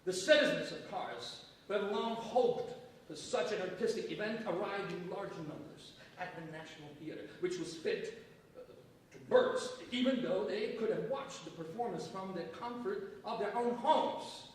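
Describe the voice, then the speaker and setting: Provincial editor for a staged play, male actor: cheerful, self-assured, declamatory, high-pitched, heard distant in a very echoey hall. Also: moderate pace, close to an everyday voice. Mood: pompous. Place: theater stage, before an event audience. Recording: echoey stage, distant mic, faint noise.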